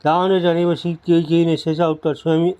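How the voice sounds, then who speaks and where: A man's voice: fairly high pitch, little pitch movement, fairly quick, dark tone, smooth, dull audio. A man reading a devotional scripture aloud as a narrator, with frequent restarts and repeated words.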